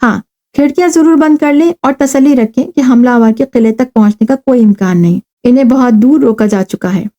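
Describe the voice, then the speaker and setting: Calm reassuring father, read by a woman, steady instructions, mellow tone. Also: on the high side, dull audio, natural voice.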